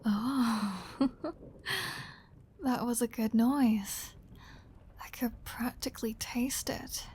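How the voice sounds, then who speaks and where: Casting: flirty vampire huntress of humans woman performer, unhurried, breathy and half-whispered, teasing, in command, ASMR roleplay style. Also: a little high, steady tone, darkish tone, slight background noise. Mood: taunting, playful. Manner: teasing, breathy, slow, dominant. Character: flirty, predatory female vampire toying with a hunter. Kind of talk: intimate ASMR audio roleplay, often whispered.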